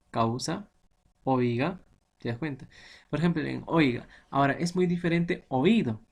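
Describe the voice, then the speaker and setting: A man's voice: a little high, creaky. A man teaching a grammar lesson to students, explaining patiently and often checking that they follow.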